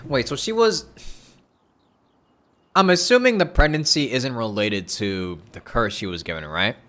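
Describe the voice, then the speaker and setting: A man's voice: mid-range voice, animated, unhurried, fairly bright tone. A man livestreaming a game, reacting in a casual, slangy, informal way. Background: game music behind the voice.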